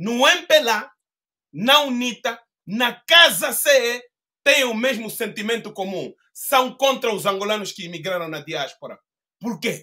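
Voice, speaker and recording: Over a quiet background, a man with an extremely high, bright, sharp voice talks at a fairly slow pace, projecting loudly with lively intonation. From Angola. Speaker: podcast host. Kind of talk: casual discussion. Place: home room. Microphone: studio mic.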